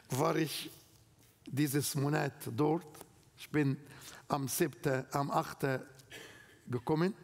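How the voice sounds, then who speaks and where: A man with an Arabic accent preaching a sermon in slow, emphatic, non-native phrasing, speaking in a church hall. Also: fairly high pitch. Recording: long hall reverb.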